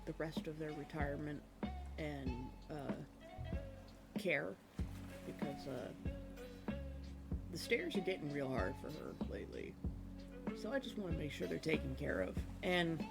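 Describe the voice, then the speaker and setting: Chatty streamer woman, lower voice, slightly hoarse. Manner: chatty, rambling with many fillers, laughs often. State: slight cough, losing voice. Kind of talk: casual chat while gaming. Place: home room at her computer.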